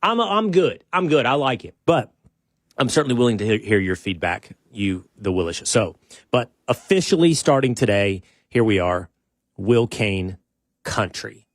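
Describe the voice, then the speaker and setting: A middle-aged man hosting a show, talking in a relaxed, rambling way with lots of restarts and joking asides. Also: lowish voice, moderate pace, no room sound, clean studio sound. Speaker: podcast host. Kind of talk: casual show-opening chat.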